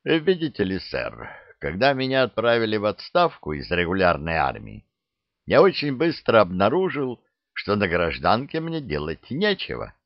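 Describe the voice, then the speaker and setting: A man's voice: fairly low pitch, wildly swooping pitch, moderate pace, vocal fry, no echo, highs cut off, heavily acted. A man reading the part of an older veteran soldier with a dry, blunt, self-deprecating way of talking. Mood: wry. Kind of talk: audiobook character reading.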